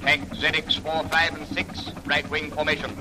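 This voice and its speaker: An actor playing a clipped, authoritative army colonel who gives orders in a 1930s radio drama. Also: male voice, fairly high pitch, level tone, moderate pace, lightly acted. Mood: commanding. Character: commanding army colonel leading tank squadron. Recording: faint hiss of an old radio recording.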